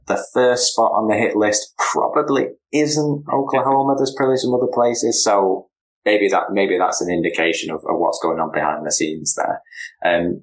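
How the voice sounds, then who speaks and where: A man from the UK hosting a casual podcast, asking questions in a relaxed, friendly way. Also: fairly low pitch, low-quality recording. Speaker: podcast host.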